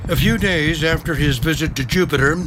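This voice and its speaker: A man's voice: fairly high pitch, brisk. An American man narrating a true-crime documentary in a dramatic tabloid TV style, with a scripted delivery. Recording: music playing behind narration. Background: dramatic background music.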